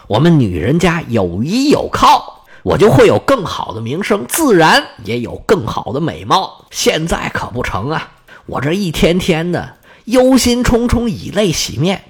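A man voicing a reserved, sorrowful middle-aged noble lady who speaks in measured, sighing tones. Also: a little high, wildly swooping pitch, breathy edge, full character voice. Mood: modest.

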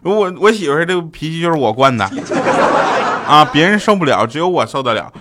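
Male comic host, casual monologue, pitch swings a lot. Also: fairly quick, very noisy. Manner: animated storytelling, jumps into quoted voices. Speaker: comedy podcast host.

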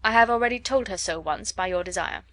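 A proud, reserved gentleman speaks in curt, measured sentences, coolly dissecting every point. A woman reader voices him close and dry, storybook style. He never warms. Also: mid-range voice, no room sound, lightly acted.

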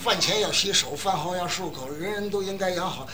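A man performing a comic crosstalk routine, telling stories in an animated way and mimicking dialects. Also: high-pitched, fairly quick, heavy background noise. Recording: distant mic, live audience.

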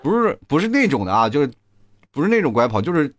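A man's voice: fairly high pitch, very animated, fast talker, dry recording. A man in his thirties, the host of his own show, telling rambling comic stories and acting out the people in them. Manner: rambling storytelling, restarts, acts out quotes. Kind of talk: comedic rant monologue.

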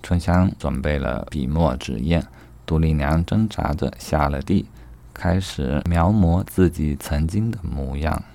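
A man's voice: very deep voice, a little slow, gravelly, mellow, no echo. A man telling a classic tale as a playful story, voicing each character in turn. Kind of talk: storytelling narration.

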